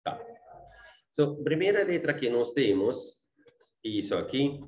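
A man's voice: medium pitch, big pitch swings, slow pace, a little mellow. Arabic-accented guy teaching online, keeps saying "ok?" to students, muffled echoey sound. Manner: repeats himself, checks in often with tá and gente. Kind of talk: online language lesson.

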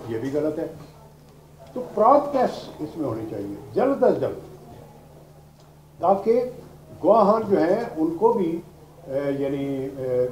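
A man's voice: on the high side, mellow. Older Pakistani man lecturing, roomy distant sound. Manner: deliberate, explanatory, rhetorical questions, mixes in English terms. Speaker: law lecturer, retired judge. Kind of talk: lecture to law students. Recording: roomy, distant microphone, noisy background.

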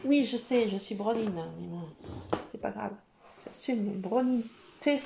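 A woman's voice: fairly high pitch, unhurried, background noise. A woman, chatting playfully to viewers while she works on a scrapbook page. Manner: talks to viewers while working, playful, self-mocking. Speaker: scrapbooking vlogger. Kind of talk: chatty talk while crafting.

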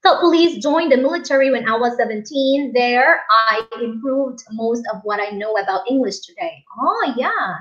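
A young Filipina English teacher hosting a casual live stream from a small room, chatting with viewers and reading their comments aloud. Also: female voice, a little high, expressive, normal speed, hardly any pauses, lo-fi sound. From Philippines.

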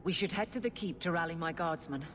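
An actress playing a resolute, urgent guard captain in a fantasy game, earnest and commanding. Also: female voice, lowish voice, quick pace, noisy background, natural voice. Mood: urgent, stern. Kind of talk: scripted fantasy game dialogue.

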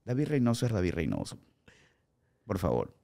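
A man in his forties with an Ecuadorian accent, a guest actor telling animated stories in a podcast studio on a boom mic. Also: moderate pace, creaky. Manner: animated storyteller acting out quoted remarks. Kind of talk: casual podcast storytelling. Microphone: studio mic on boom arm, headphones.

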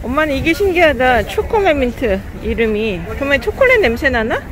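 A woman's voice: high voice, big pitch swings, a little fast. Middle-aged woman vlogging at a busy market. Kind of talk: casual vlog narration and chat. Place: outdoor street market in a parking lot. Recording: outdoor crowd chatter and music behind.

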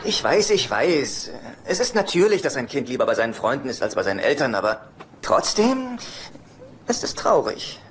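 A man's voice: medium pitch, big pitch swings, moderate pace, natural voice. Guy playing neurotic self-pitying sitcom brother, whiny and wordy, voice jumps around, bit of noise. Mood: downcast. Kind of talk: dubbed sitcom dialogue.

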